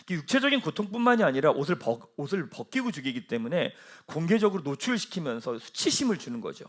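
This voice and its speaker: A male pastor preaching a Sunday sermon and asking his congregation rhetorical questions. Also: on the high side.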